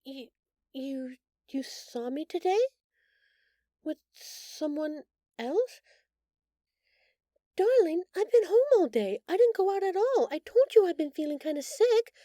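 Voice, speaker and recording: A woman voicing a shapeshifted alien posing as a sweet, anxious human girlfriend in an intimate audio roleplay, speaking softly and haltingly. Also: very high-pitched, very animated, no room sound, studio quality, full character voice. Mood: nervous, defensive. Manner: soft, halting, pleading, stammering. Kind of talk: audio roleplay acting, intimate address to listener.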